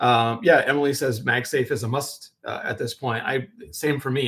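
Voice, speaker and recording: This man speaks with a Montreal accent at a medium pitch. His voice is somewhat breathy. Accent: Canadian English (Montreal anglophone). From Montreal, Quebec (English-speaking). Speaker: tech commentator / YouTuber. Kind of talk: livestream commentary answering chat questions. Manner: casual, with many fillers and restarts.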